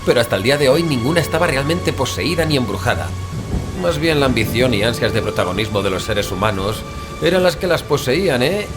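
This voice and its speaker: Horror radio play: male actor as stubborn sceptical investigator, medium pitch, casual and scoffing, loud score underneath. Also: animated, a little fast, lightly acted. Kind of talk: horror audio drama dialogue. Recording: loud music, rain and thunder behind. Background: music, rain, thunder.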